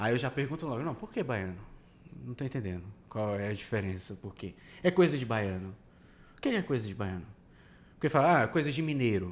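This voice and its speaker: Talking at a fairly quick pace, a man with a medium pitch uses lively intonation and long, frequent pauses. The recording is very clean, with a silent background. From Bahia, Brazil (Vitória da Conquista, near Minas Gerais border). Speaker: TV celebrity columnist. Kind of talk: casual chat.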